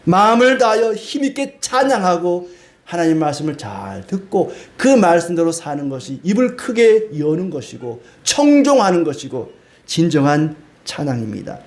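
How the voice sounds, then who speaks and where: Animated middle-aged male pastor preaching. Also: fairly high pitch. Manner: lively, animated preaching with acted-out quotes and homey stories. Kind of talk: sermon.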